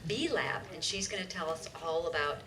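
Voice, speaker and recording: A woman host giving a chatty, relaxed introduction for the next speaker. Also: low-pitched, moderate pace, noisy background. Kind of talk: friendly introduction at a talk. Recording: crowd murmur audible behind her.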